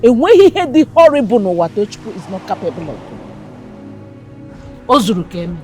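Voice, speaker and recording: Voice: medium pitch, brisk, faint music behind, close to an everyday voice. A performer with a Nigerian accent playing a knowing mother who scorns her son. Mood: scornful. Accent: Nigerian, Igbo-speaking. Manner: scornful, lively, mixing Igbo. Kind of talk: film drama acting.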